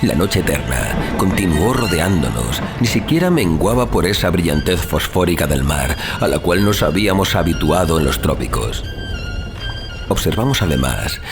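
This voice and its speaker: A man's voice: sits low, big pitch swings, moderate pace. A man reading a literary horror story as a narrator, in a solemn, suspenseful, dramatic style. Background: music.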